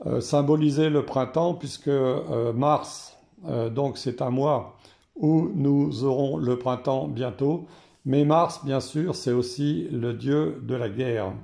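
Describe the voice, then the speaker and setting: A French man with a hoarse voice, reading tarot cards slowly and hesitantly, with many fillers. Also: mid-range voice, mellow. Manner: slow and hesitant, frequent "euh" fillers. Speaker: tarot card reader. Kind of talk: casual explanation to camera.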